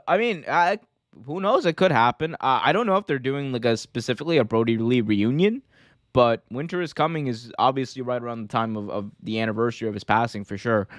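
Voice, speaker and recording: Animated, jokey male podcast host. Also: mid-range voice, no echo, clean studio sound. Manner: animated, jokey, breaks into voices and laughter. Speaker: podcast co-host reading chat. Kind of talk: casual wrestling podcast chat.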